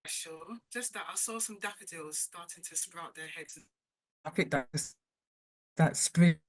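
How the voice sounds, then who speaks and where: A woman's voice: fairly low pitch, a little slow, no echo. A woman chatting casually and briefly as a guest speaker. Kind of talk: casual chat.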